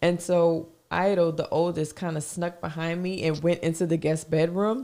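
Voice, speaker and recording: Intonation stays monotone and flat in a voice of dark, mellow tone. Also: woman, fairly low pitch for a woman, moderate pace. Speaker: podcast co-host. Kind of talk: casual chat.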